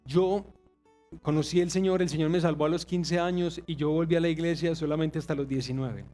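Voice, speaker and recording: A man's voice: a little high, steady tone, a little fast, warm tone, soft background music. A man, preaching a confessional sermon and acting out quoted voices. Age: 30s. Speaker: pastor.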